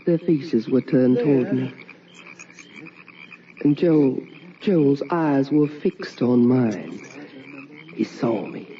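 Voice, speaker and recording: A slow, mournful ghost wife. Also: female voice, rumbling low, heavily acted. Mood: hushed, suspenseful, then hopeful, longing. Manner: slow, hushed, theatrical delivery. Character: mournful ghost of a wife and mother, longing and tender. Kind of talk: radio drama monologue. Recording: muffled old radio recording, distant mic.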